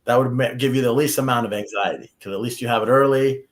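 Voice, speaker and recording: Plain-spoken American immigration lawyer. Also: male voice, medium pitch, quick pace. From United States. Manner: practical, repeats himself when starting sentences. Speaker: immigration attorney. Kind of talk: casual advice on a talk show.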